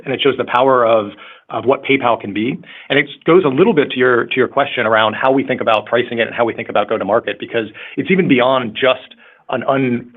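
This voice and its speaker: A man, a company executive, answering questions on an earnings call in a halting way, repeating words. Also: medium pitch. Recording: muffled narrow-band conference call line.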